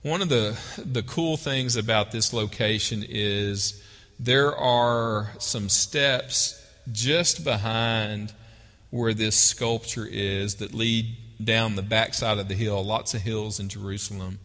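A man's voice: fairly low pitch, steady tone, slow pace, pushed and bright. A man with a Texas accent preaching a sermon, reading scripture aloud and talking it through conversationally, asking his listeners questions. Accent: Texan. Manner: conversational, asks the audience questions. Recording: long hall reverb.

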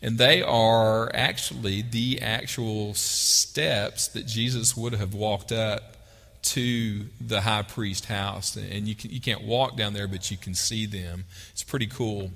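Slow and low-voiced, with vocal fry, a sharp tone and fairly even intonation, a Texan preacher reads from scripture and then talks it over in a conversational way, putting questions to the congregation. The sound carries a long reverb, as in a large hall.

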